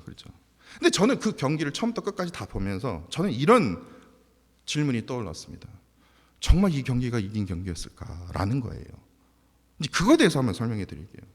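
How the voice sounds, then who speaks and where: A pastor, a man, preaching a sermon and telling a story animatedly, laughing now and then. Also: mid-range voice. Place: church sanctuary. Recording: long church hall reverb.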